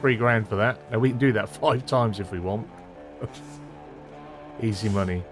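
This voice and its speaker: Over music, a man commentates casually on a video game, chuckling frequently. His fairly low voice sounds a bit strained, as if close to going, and he keeps a moderate pace.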